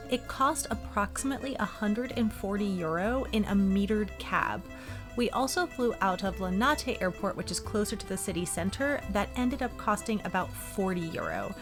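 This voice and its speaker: A woman narrates a voice-over in a steady, informative way, her pitch in the middle range. Music plays clearly under her voice.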